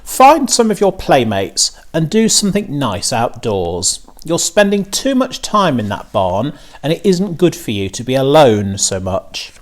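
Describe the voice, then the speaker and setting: A worried storybook mother, as a male reader puts her on. She is stern and exasperated yet caring, stretching her words slowly and swinging widely in pitch. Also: wildly swooping pitch. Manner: admonishing, exasperated but caring.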